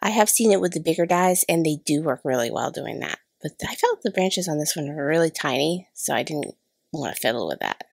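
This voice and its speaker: A woman with a cold talks through her card-making steps in a relaxed, chatty voice-over. Her voice sits low, slightly nasal and gravelly with fry. The recording is dry and close, with no room sound. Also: a little fast, no room sound. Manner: chatty, self-deprecating about mistakes. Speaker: card-making channel host. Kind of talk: casual crafting voice-over tutorial. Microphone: voice-over recorded separately.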